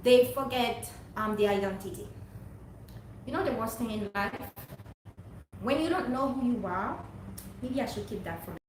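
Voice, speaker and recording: A young woman from Haiti speaks to her viewers in a rambling, earnest monologue with a preachy streak. Her voice sits a bit high. She is recorded from some distance in a very echoey room with faint background noise. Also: moderate pace, pauses often. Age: young adult. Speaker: vlogger.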